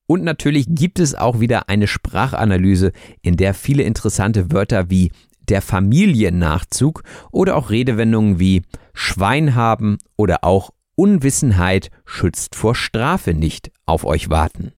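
A male podcast host introduces the episode and asks questions in a clear, measured, teacherly way. His voice sits somewhat low. The sound is close and dry, with no room around it. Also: sing-song, darkish tone, no echo. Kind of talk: podcast hosting and interviewing.

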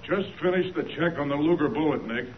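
Clipped police sergeant on telephone. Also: male voice, on the high side, fast talker. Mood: businesslike. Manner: clipped, colloquial. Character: businesslike male police sergeant phoning in report. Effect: telephone filter. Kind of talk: 1940s radio drama acting. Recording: noisy, dull phone line on old radio.

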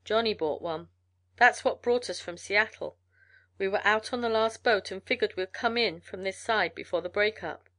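A woman's voice: medium pitch, moderate pace, fairly bright tone, no echo, natural voice. A woman voicing a bitter, quarrelsome male gold prospector in a storybook, blunt and clipped in speech. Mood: plain, subdued. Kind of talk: storybook character voice in narration.

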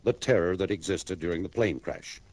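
An actor playing an older psychiatrist in a 1960s radio drama, explaining in a measured, fatherly way. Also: sits low, a little mellow, no echo. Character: calm, authoritative male psychiatrist, older. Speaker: doctor. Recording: dry vintage radio broadcast.

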